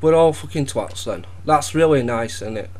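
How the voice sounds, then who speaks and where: A man's voice: mid-range voice, moderate pace, slight background noise. A young man from Wales trolling an opponent over game voice chat in a mock-innocent, sarcastic way. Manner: teasing, deadpan, mock-innocent. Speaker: gaming video creator trolling an opponent.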